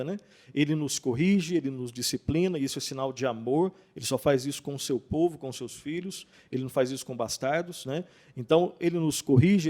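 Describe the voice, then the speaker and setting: A man, a pastor, calmly explaining Bible passages in an interview and quoting verses with emphasis. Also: on the high side. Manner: calm, measured, quotes scripture with emphasis.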